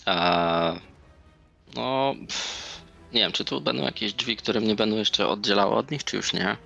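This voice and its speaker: A man's voice: on the low side, unhurried, creaky, bright, forceful tone, muffled recording. A man playing a tabletop role-playing game, hesitant and thinking aloud in casual talk. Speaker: player. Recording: music under the voice. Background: background music.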